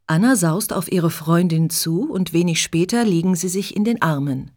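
A woman narrating a chapter of a story in clear, measured scripted reading. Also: fairly low pitch, lively intonation, a little mellow. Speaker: audiobook narrator.

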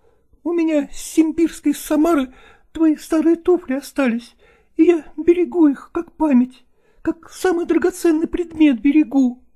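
A man's voice: very high voice, moderate pace, dark tone, pitched above the performer's own voice. A man reading aloud, voicing a young actress who pleads tearfully and passionately with her lover. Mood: pleading.

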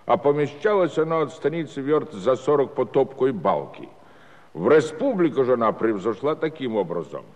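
Folksy old-school judge telling stories, lively ups and downs, muffled echoey hall recording. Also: male voice, on the high side. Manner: rustic dialect, unhurried yarn-spinning. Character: folksy male village judge, former Red Cossack chairman, proud storyteller. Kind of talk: theatrical audio drama storytelling. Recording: dull old recording, long hall reverb.

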